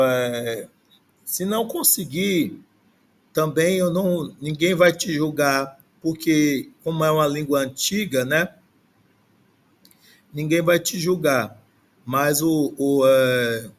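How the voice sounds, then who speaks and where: A man teaching an ancient Greek class, explaining pronunciation patiently and glossing words one by one, often checking in with "né?". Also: on the high side. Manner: slow, patient explaining with frequent "né?". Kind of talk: online language class.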